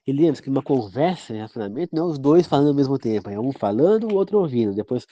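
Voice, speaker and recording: A man's voice: medium pitch, animated, rapid-fire, warm tone, no echo. A man from Brazil giving an informal, rambling sermon-style talk as a preacher, often checking "entendeu?" with his listeners. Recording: dull, dry, lo-fi sound.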